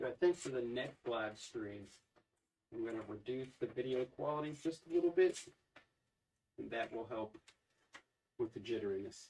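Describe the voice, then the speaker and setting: At a moderate pace, a man with a medium pitch and a dark, mellow tone sounds somewhat breathy, shows ordinary pitch variation, and takes long, frequent pauses. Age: 40s. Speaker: bike mechanic YouTuber. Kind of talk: live-stream tutorial. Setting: live stream, workshop. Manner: casual, thinking aloud.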